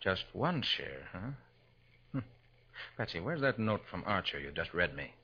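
A man acting a confident master detective in a 1940s radio crime drama, brisk, deliberate and authoritative. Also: deep voice, very animated, bright, forceful tone, slight background noise, full character voice. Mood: musing, guarded. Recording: dull vintage 1940s radio recording.

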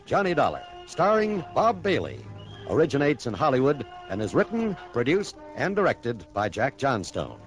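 A man's voice: a little high, rough recording. A male announcer reading the closing credits of an old radio show in a formal, emphatic way. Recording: vintage radio broadcast with music.

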